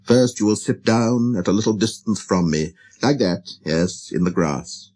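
A man voicing a lonely, gentle wild fox in a storybook, speaking slowly and earnestly with hesitant pauses. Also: on the low side, voice pushed down. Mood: patient, instructing. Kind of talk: storybook character reading.

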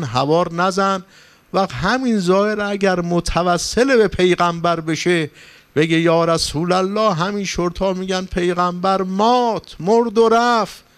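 A man delivers a sermon as a cleric, his slightly high voice clear and resonant. He tells stories with passion and climbs to emphatic, pleading peaks. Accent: Persian, from Iran. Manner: impassioned storytelling, rising for emphasis. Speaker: cleric preacher. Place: religious gathering hall.

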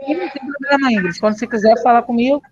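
A woman's voice: fairly high pitch, rapid-fire, breathy edge. A Brazilian woman teaching children in a live online class, patient and reassuring, asking coaxing questions. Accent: Brazilian Portuguese. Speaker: primary school teacher. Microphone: video call. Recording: lo-fi video call audio.

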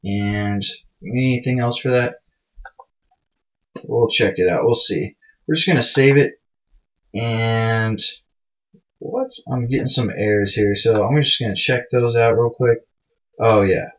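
A man with a lowish voice hosts a casual programming screencast at a normal speed, chatting loosely, poking fun at himself, and using plenty of fillers. The recording has a dull, lo-fi mic sound.

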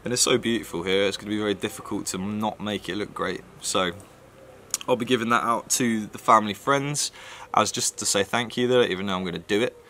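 A man's voice: on the low side, fairly quick, a little hiss or hum. Nasal-voiced man vlogging casually. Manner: relaxed, rambling with fillers. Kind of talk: casual vlog chat.

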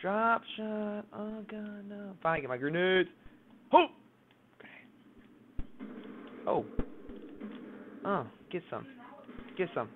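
A man swearing and complaining excitably while losing a casual one-on-one video game match. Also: sits high, slow, long pauses, slight background noise. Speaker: gamer, boyfriend. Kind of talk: casual gaming banter. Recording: tinny phone-like sound.

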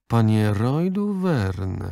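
A man's voice: medium pitch, animated, moderate pace, vocal fry, darkish tone, no room sound, studio quality. Man voicing a haughty old aristocratic lady. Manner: stiff, disdainful, lecturing.

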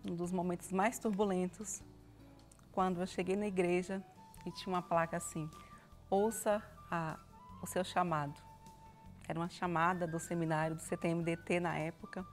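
An earnest woman in her thirties talks as a missionary guest in a TV studio kitchen. Her speech is measured and devout, picked up by a lapel mic. Soft music sits faintly behind her. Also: on the low side, steady tone. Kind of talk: TV cooking show interview.

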